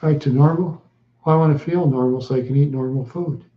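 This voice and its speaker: A man chatting slowly with viewers on a live stream, answering in short, halting phrases and often repeating himself. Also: on the high side, roomy sound, highs cut off. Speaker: livestreamer.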